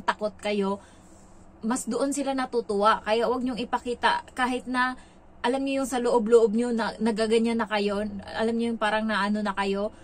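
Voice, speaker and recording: A woman's voice: mid-range voice, rough recording. Chatty woman vlogging in a rambling way. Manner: rambling, conversational, many filler pauses. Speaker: domestic helper and vlogger. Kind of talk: casual vlog talk to viewers.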